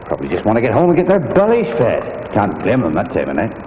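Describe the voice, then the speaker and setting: An easygoing middle-aged British policeman in a 1960s drama. He is lowish and matter-of-fact. The sound is a reverberant hall on thin film stock. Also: huge pitch swings, fast talker, dull audio. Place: large bare rehearsal hall. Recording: echoey hall, thin hissy old film.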